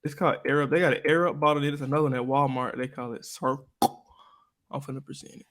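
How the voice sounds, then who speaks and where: A man in his twenties with a Mississippi accent, co-hosting a podcast, playful and excitable in casual chat with his sister. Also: a little high, racing. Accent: Southern US, Mississippi. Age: 20s. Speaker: podcast co-host.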